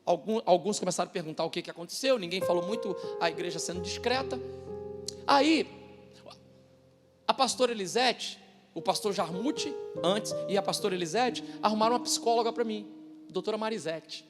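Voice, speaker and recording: A man, a pastor giving a testimony at a church service, telling his story emphatically with loud outbursts and hushed asides. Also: high-pitched, a little fast, big-room sound, over music.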